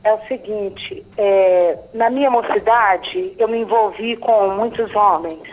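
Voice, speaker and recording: A woman in her fifties calling in live to a TV program, halting and repeating herself as she tells of her fears. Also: medium pitch, a little mellow, poor audio. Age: 50s. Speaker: caller. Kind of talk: live phone call to a TV program.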